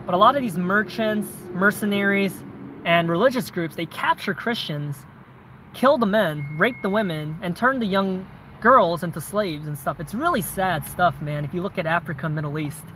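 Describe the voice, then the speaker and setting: A man's voice: sits high, expressive, normal speed, fairly bright tone, slight background noise, low-quality recording. Southern-accented man chatting casually. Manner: conversational, frequent tag questions and "man", "bro". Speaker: vlogger answering viewer questions. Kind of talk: casual chat.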